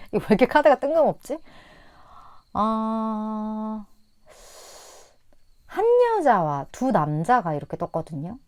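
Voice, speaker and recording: A woman reads tarot cards for her viewers in a soft, musing manner, humming and trailing off as she thinks aloud. Her pitch rises and falls in a lively way. The recording is close and dry, with no room sound. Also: no room sound. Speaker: tarot reader. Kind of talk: casual tarot reading to viewers.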